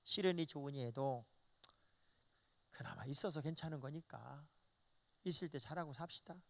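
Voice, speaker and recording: A male pastor in his fifties preaching a revival sermon in a church, folksy and animated, acting out bits of dialogue. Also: a little high, moderate pace, creaky.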